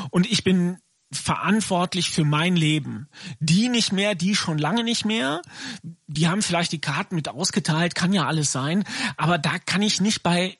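A man's voice: high voice, fairly bright tone, breathy edge, dry recording, studio quality. A man in his fifties speaking earnestly and emphatically from personal experience in a reflective discussion. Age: 50s.

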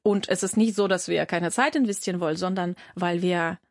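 A woman's voice: lowish voice, a little fast, no room sound, studio quality. A Ukrainian woman with a Ukrainian accent, a musician being interviewed, talking thoughtfully and searching for words with many fillers. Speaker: musician guest. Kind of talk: interview conversation.

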